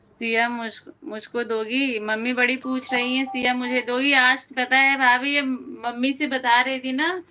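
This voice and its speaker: A woman hosts a relaxed live stream, her slightly high voice bright and a little sharp. She talks slowly and easily, greeting viewers one by one with devotional greetings. When she turns to her little daughter she coaxes her in a soft, motherly way. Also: a little hiss or hum.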